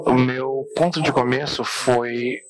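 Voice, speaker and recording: A middle-aged man giving an academic lecture as guest speaker, halting and often restarting words as he searches for phrasing. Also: mid-range voice, fairly even intonation. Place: large lecture hall. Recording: echoey hall from a room mic.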